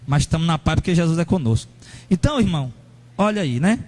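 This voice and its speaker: A man preaching a sermon as pastor, animated and talking straight to members of his congregation. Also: a little high, fast talker. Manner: animated, acts out angry church members in a raised voice; addresses congregation members directly.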